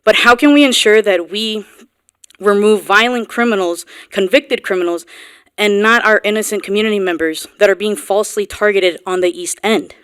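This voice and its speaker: A young adult woman from Guatemala who grew up on Long Island's East End, giving an earnest, informal public comment at a podium microphone in a town hall meeting room, with halting restarts. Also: mid-range voice, fairly bright tone, clean tone, studio quality. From Guatemala, raised on Long Island's East End. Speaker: local resident speaking at public comment.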